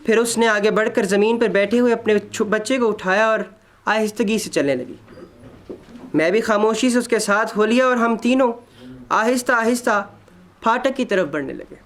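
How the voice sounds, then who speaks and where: A man narrating a literary short story in an expressive, measured, dramatic reading style. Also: sits high.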